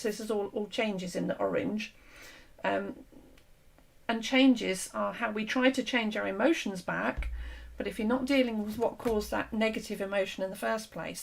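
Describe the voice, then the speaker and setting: A woman hosting an interview and talking through an idea in an earnest, explanatory way, her voice fading and a little hoarse. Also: medium pitch. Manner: earnest, explanatory, with frequent fillers and restarts. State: losing her voice. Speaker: host. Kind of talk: conversational discussion.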